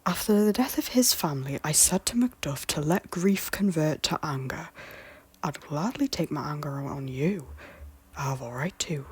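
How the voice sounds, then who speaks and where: A woman playing an embittered, despairing young king in an audio drama, brooding and wounded, with a soft, breathy voice. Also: low-pitched, expressive, moderate pace, exaggerated voice. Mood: bitter, weary. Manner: brooding, swings between muted and outbursts. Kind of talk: audio drama acting of a Shakespeare-style story.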